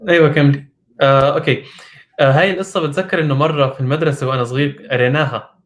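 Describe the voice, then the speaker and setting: A man's voice: fairly high pitch, fairly even intonation, rapid-fire. A man with a Levantine Arabic accent, hosting in a casual, conversational way. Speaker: host.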